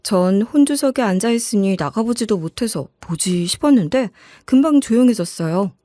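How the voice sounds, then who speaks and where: A woman's voice: medium pitch, lively intonation, moderate pace, dark tone, dry recording, studio quality. A woman narrating a scripted first-person family story in the role of a mother.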